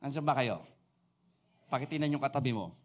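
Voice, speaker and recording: A man's voice: medium pitch, expressive, a little fast. A man preaching a sermon as a pastor, playful and joking as he quizzes his congregation. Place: church service.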